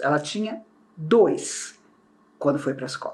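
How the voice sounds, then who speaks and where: The speaker is a woman with vocal fry. She talks at a fairly slow pace. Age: 60s. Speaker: spiritist lecturer. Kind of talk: recorded lecture. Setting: recorded message online.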